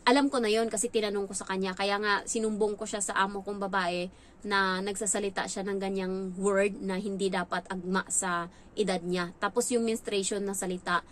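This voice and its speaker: A woman vlogging in a casual storytelling way about her work as a domestic helper, animated and quick to act out what others said. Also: slight background noise. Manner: animated, acts out quoted lines in a higher voice. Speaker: domestic helper telling stories about her employers' child.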